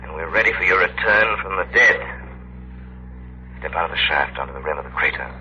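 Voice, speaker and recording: An actor playing a calm, commanding male crime-fighting hero in a 1930s radio drama, giving firm, measured instructions. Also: deep voice. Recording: noisy, muffled 1930s radio recording.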